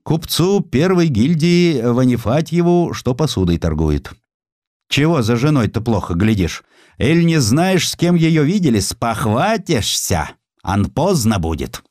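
A man's voice: medium pitch, very animated, measured pace, darkish tone, no room sound, studio quality, voice pushed up. A man voicing a wily, plain-spoken old-time Russian tabloid publisher with a drawling, colloquial merchant's way of talking, in an audiobook. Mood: gossipy, needling.

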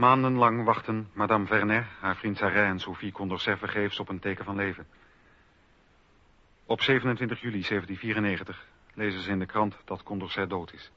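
A man narrating a scripted radio documentary in a measured, formal storytelling manner on a lo-fi recording. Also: on the low side, bright, forceful tone, no echo.

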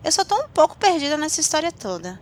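Woman playing sweet teasing wife in an audio drama, high voice, informal and affectionate. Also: big pitch swings, quick pace, slight background noise. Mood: affectionate, puzzled.

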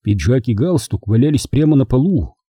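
A man narrating a children's novel as an audiobook with expressive storytelling. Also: medium pitch, a little fast, breathy edge, no room sound, studio quality. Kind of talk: scripted narration.

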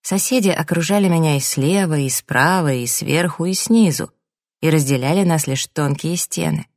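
Low woman narrator, calm reflective memoir reading, dry studio sound. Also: no echo. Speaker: audiobook narrator.

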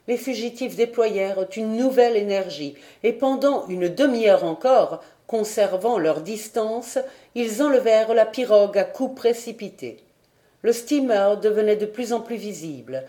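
A woman's voice: medium pitch, expressive, unhurried, warm tone. A woman narrating a classic adventure novel as an audiobook, reading expressively and dramatically. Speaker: audiobook reader.

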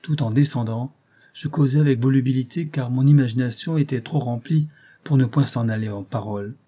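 A man's voice: mid-range voice, fairly quick, warm tone. A man narrating a classic adventure novel as an audiobook, reading expressively and lifting his voice for quoted dialogue.

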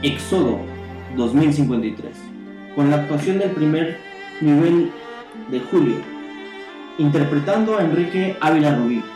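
A man's voice: fairly high pitch, expressive, normal speed. A man with a Mexican accent narrating a dramatic, old-time style radio serial. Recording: echoey voice over string music.

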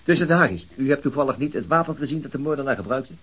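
Male, radio play detective: easygoing, dry humour, hesitant informal delivery, slightly rough tone. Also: mid-range voice, lively intonation, quick pace, fairly bright tone. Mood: probing, casual. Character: easygoing, dryly amused male police detective. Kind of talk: naturalistic radio drama acting.

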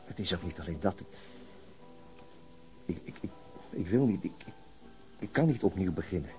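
A weary stammering detective. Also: male voice, low-pitched, lively intonation, moderate pace. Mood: resigned. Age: late 40s. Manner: hesitant, stammering, resigned. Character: weary middle-aged police detective. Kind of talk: Dutch radio drama acting. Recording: radio play with soft music underneath.

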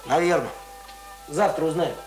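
A man's voice: fairly high pitch, moderate pace, a little mellow, faint music behind, lightly acted. Man acting an earnest know-it-all schoolboy. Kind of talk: radio play acting.

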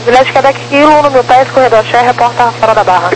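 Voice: medium pitch, quick pace. An air traffic controller giving terse, procedural instructions in clipped aviation phraseology over a radio transmission. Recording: noisy, humming aviation radio.

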